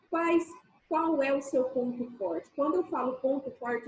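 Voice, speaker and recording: Woman, teacher, high voice, chatty lecture, roomy echo. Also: darkish tone. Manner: chatty, joking, checks in with the class often. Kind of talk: online class lecture.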